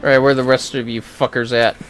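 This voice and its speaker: A man's voice: medium pitch, little pitch movement, quick pace, a bit bright, faint music behind. A man giving casual, foul-mouthed commentary on a gaming livestream, muttering to himself with playfully theatrical outbursts.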